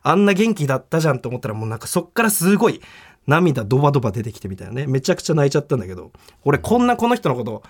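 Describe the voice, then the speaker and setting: Fast-talking, animated male radio host. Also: mid-range voice. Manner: animated storytelling, acts out quoted people. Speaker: comedian and radio show host. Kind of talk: casual radio talk, telling a personal story. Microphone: studio microphone.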